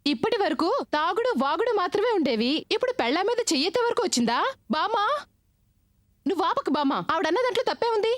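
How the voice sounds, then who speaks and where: Very high, fast sharp-tongued wife. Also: female voice, big pitch swings, no echo, studio quality. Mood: scolding. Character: sharp-tongued quarrelsome wife, nagging and jealous. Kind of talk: dubbed film acting.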